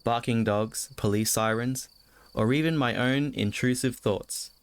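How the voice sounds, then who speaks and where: A man livestreaming a horror game, moving between casual chat with viewers and reading story text aloud, often halting and repeating words when he chats. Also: medium pitch, clean tone. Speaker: livestreamer, host of a spooky game stream.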